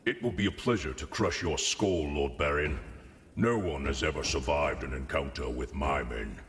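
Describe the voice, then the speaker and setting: An actor playing a hostile, vengeful tribal commander in a video game cutscene, speaking with menace and defiance. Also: male voice, a bass voice, normal speed. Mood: menacing threat. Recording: clear background noise under the voice.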